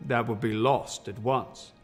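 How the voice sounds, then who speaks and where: An actor playing a matter-of-fact medical expert in a television courtroom drama, answering tersely and with certainty. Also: male voice, medium pitch, steady tone, a little slow, in a large hall, faint music behind, close to an everyday voice. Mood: clinical.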